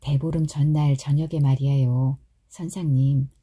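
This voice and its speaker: A woman voicing a cheerful, chatty young village wife who speaks in a folksy, drawn-out Chungcheong dialect. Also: a bass voice, steady tone, mellow, breathy edge. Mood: coaxing chatter. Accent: Chungcheong Korean dialect.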